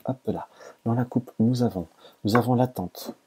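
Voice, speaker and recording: A man's voice: medium pitch, normal speed, mellow, breathy edge. A man doing a casual monthly tarot reading to camera, hesitant, often stumbling and restarting his sentences. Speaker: tarot reader.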